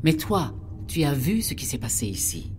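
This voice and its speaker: An actress playing a curious, earnest listener in a far-future audio drama, asking questions. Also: female voice, big pitch swings, normal speed. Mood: urgent questioning. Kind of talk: scripted audio drama dialogue. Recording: clear background noise with rumble.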